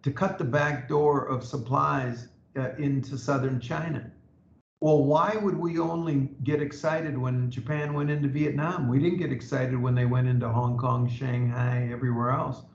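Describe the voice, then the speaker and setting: A man with a gravelly, creaky voice tells history as an emphatic storyteller on a podcast. His voice comes through dull, lo-fi audio in an echoey room. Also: medium pitch. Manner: emphatic storyteller, quotes historical figures in lively asides. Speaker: podcast co-host and author. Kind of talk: conversational history discussion.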